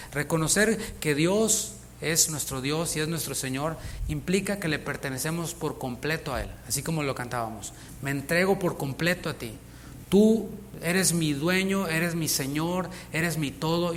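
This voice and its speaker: A man's voice: a little high, a bit bright, slight background noise. A man preaching a sermon as pastor, speaking with emphasis and putting rhetorical questions to the congregation. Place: church in Houston.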